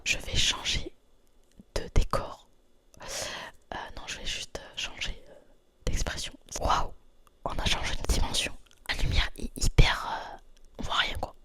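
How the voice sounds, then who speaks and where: A young woman from France, whispering softly in an ASMR video and repeating words over and over in a dimly lit room. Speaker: ASMR creator.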